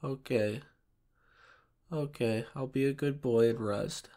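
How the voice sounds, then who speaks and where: A man voicing a shy, submissive, sick young boyfriend in an ASMR audio roleplay, congested and soft, with hesitant, pleading delivery. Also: mid-range voice, slow. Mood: tired, obedient. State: sick, sore throat, stuffy nose.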